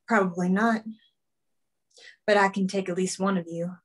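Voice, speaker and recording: A tough young woman faces down armed men with blunt, dry defiance, as a woman reads the part at a table read. Her voice sits at a middle pitch. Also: steady tone, normal speed, close to an everyday voice, rough recording. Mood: defiant.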